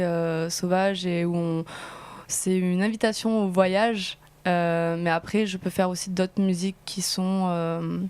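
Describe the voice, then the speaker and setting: Hesitant woman with smooth, lowish voice. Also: darkish tone. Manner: hesitant, halting. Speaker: guest singer. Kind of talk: unscripted interview answer. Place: TV studio.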